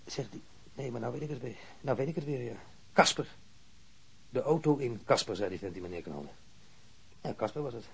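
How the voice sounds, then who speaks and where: A man playing a grumbling wounded policeman in a radio drama, halting and repeating himself. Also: mid-range voice, expressive, creaky, breathy edge, heavily acted. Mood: eager. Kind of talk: naturalistic radio drama acting.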